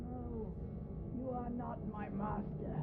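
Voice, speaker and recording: A man's voice: very high-pitched, little pitch movement, slow. A man acting as a crazed, desperate madman in an audio drama, pleading and wailing in agitation. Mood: weak, desperate. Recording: thin phone-like audio with loud music behind.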